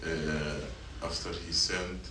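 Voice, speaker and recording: This youth teacher's voice sits low, and his delivery is flat and slow as he teaches a sermon to middle school students, repeating points and asking questions. It was recorded in an echoey church meeting room with a distant mic and faint noise.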